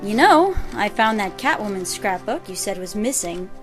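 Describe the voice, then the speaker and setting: A woman playing a fussy, affectionate grown daughter in a radio drama, brisk and chiding. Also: medium pitch, very animated, soft background music, lightly acted. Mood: fondly nagging.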